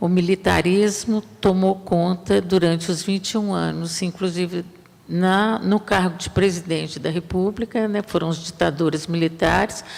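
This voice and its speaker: Her intonation is monotone and flat. The woman talks at a fairly slow pace. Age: 70s. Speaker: political activist and panelist. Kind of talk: panel talk.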